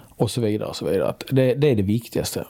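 Dark, mellow tone from a man at a medium pitch, with ordinary pitch variation. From Skåne, southern Sweden. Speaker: goose hunting guide. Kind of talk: interview.

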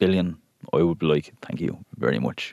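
A man speaks at a moderate pace with an Irish accent. The sound is dry and close, with no echo. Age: 30s. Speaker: football podcast co-host. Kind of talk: casual chat. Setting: studio.

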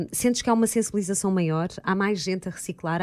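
A woman's fairly low voice, fairly even in intonation, at a very fast pace. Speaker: radio host. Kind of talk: radio interview. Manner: halting.

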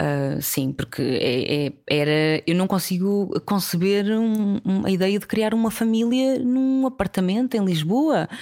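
This woman has a dark, mellow tone at medium pitch and a fairly slow pace. Her pitch swings very widely while her loudness stays very even, with hardly any pauses. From Portugal. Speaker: actress and voice-over artist. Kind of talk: casual interview. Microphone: good microphone.

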